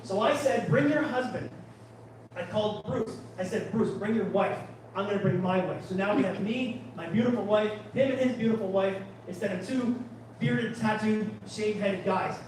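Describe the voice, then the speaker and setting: Brief: man, high voice, animated live storyteller, keeps backtracking, recorded from far off in a very echoey room. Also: normal speed, a little hiss or hum. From Canada. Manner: animated, chatty storyteller who backtracks and restarts. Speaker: photographer giving a talk. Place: large room at a photography guild talk. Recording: very echoey room, far from mic, faint ambience.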